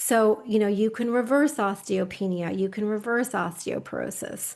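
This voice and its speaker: Against a quiet background, a woman talks at a fairly slow pace in a normal speaking voice, medium in pitch, with fairly even intonation. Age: 60s. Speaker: nutritionist. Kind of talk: podcast interview.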